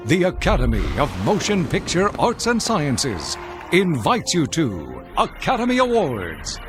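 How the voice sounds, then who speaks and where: A male awards show announcer gives a formal broadcast introduction. His voice sits fairly high and moves very dramatically up and down. Clear music plays behind him. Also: huge pitch swings, unhurried. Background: loud music.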